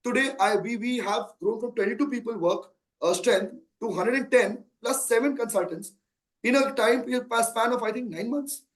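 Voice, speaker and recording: A man's voice: very high-pitched, moderate pace, low-quality recording. An Indian-accented man in his thirties, a company chief executive answering questions on an earnings call at length, emphatically, with rhetorical questions.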